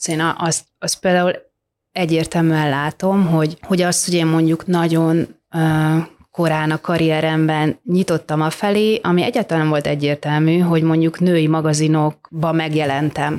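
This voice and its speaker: A woman with a very deep, low pitch, monotone, flat intonation, very even loudness and a moderate pace. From Budapest, Hungary. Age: 40s. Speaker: art historian and curator. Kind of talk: casual interview chat. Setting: studio. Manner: halting, many repeated words.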